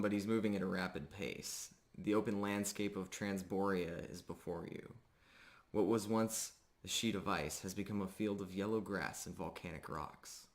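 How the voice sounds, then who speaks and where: A man with a very low voice acts as game master for a fantasy roleplay. He tells the scene in a measured, descriptive way, setting out the world piece by piece. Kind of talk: narrating a fantasy tabletop roleplay.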